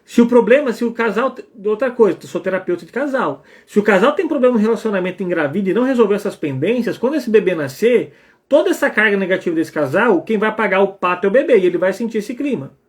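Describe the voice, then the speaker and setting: Man, Brazilian Portuguese accent, high voice, psychologist, live talk, emphatic, blunt, keeps checking in. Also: lively intonation, quick pace. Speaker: psychologist and couples therapist.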